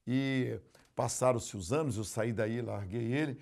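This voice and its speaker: An older pastor from Brazil preaching a sermon, telling stories with acted quotes and swinging between loud outbursts and hushed asides. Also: male voice, medium pitch, a little slow, gravelly.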